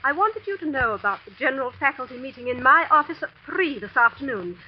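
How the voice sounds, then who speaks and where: An actress playing a brisk, businesslike woman, the dean of a girls' school, in a 1940s radio drama. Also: high-pitched, expressive, husky. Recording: muffled 1940s radio, a bit distant.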